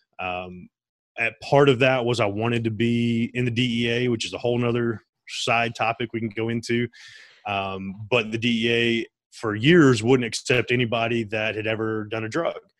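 Here is a man with an American accent and a normal speaking voice. His pitch sits in the medium range and his pace is moderate. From US South, Georgia (outside Atlanta). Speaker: army officer and former police officer. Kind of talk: casual interview.

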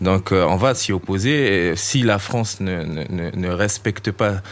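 The man's voice sits at a fairly low pitch. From French Guiana. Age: young. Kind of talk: interview. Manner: halting.

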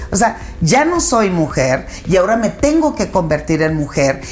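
A woman with a Sinaloan accent at a moderate pace, with very wide pitch swings, audible room echo and noticeable background noise. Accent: northern Mexican (Sinaloa) Spanish. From Mexico, Sinaloa (Culiacán). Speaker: sexologist. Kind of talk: casual interview.

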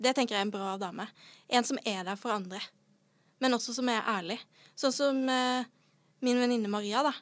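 On a very clean recording with a silent background, a woman speaks at a fairly high pitch with ordinary pitch variation. Her pace is moderate, broken by long, frequent pauses. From Southern Norway (Sørlandet). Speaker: childhood cancer survivor and speaker. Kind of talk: interview. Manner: hesitant, with many fillers.

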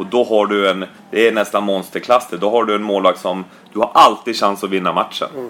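A man speaks at a fairly quick pace in a fairly low pitch, his intonation flat and monotone. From Norrland, Sweden. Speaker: hockey expert. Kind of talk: casual chat.

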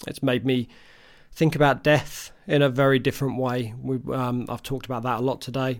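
Speaking in an English accent, a man talks at a fairly quick pace with medium pitch and monotone, flat intonation. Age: 40s. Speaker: podcast host. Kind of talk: solo podcast monologue. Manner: halting, repeats words.

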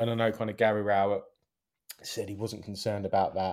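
Over a silent background in a very clean recording, a man speaks at a fairly quick pace in a monotone, flat intonation, with a fairly low pitch and a dark, mellow tone. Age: 30s. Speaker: football journalist. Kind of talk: casual chat. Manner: halting.

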